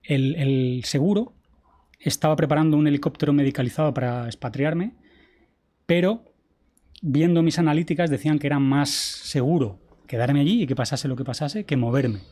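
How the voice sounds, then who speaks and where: A man recounts events as a podcast guest. His voice sits a little high yet warm and mellow. He acts out dialogue vividly and swears casually. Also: normal speed. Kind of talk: casual storytelling interview.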